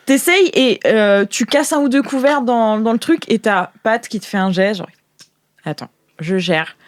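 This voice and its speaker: A woman's voice: mid-range voice, darkish tone, no room sound. Woman, game master, informal improvised narration, hesitant, dry close studio recording, faint music. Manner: hesitant, informal, thinking aloud. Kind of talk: improvised narration of a tabletop role-playing game. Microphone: studio microphone.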